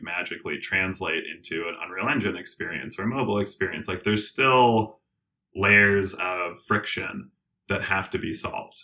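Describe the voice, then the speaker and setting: Interview guest, male, low but bright tone, talks loosely with fillers and laughs. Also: poor audio. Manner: animated, rambling with fillers and restarts; laughs often. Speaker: interview guest, tech founder. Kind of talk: casual conversational interview.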